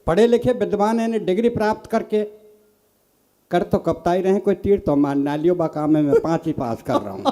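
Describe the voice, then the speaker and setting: On stage at a live poets' gathering, an older man from Rajasthan's Bharatpur district delivers comic poetry as stand-up, spinning folksy, teasing tales and calling his listeners "sahib." He speaks briskly in a high, mellow voice.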